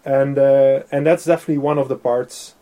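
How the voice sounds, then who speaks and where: A man's voice: mid-range voice, steady tone, fairly quick, mellow. A man whose first language is Dutch, speaking English in a casual interview with many fillers and frequent laughs. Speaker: interview guest, software developer.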